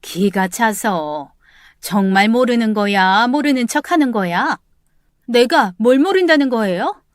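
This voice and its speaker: A woman's voice: fairly high pitch, lively intonation, measured pace, dry recording, studio quality. A woman voicing a group of angry middle-aged neighborhood women who speak harshly and with scorn. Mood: threatening.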